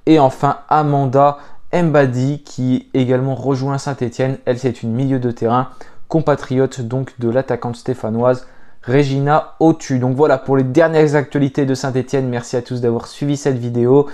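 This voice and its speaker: A man's voice: medium pitch, steady tone, moderate pace, dark tone. A French man hosting a football fan channel, talking through club news in a casual, hesitant way with many filler sounds.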